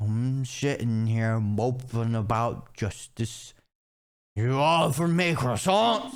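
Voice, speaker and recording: Mumbling in a put-on character voice, a man speaks very slowly at a medium pitch, with ordinary pitch variation and very even loudness. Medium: virtual streamer. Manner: sulky, mumbling.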